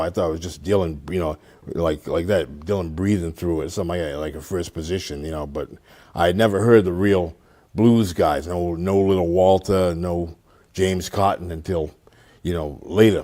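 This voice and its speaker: A man with an American accent speaks at a moderate pace with ordinary pitch variation. His pitch is very deep and low, his tone dark and mellow. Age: 60s. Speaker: blues harmonica player. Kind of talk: casual interview. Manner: halting.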